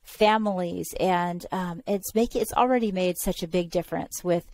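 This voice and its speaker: A woman's voice: lowish voice, moderate pace, darkish tone. A woman in her forties hosting a podcast interview over a video call, speaking enthusiastically and encouragingly into a headset mic. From California. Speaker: podcast host. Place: room at home.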